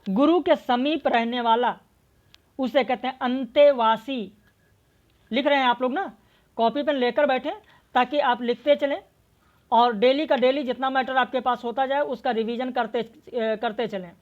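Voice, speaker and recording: A woman's voice: high voice, fairly even intonation, measured pace, highs cut off. A woman teaching an exam-prep language lesson. She explains word meanings and spellings step by step, asks questions and answers them herself. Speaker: Hindi literature teacher.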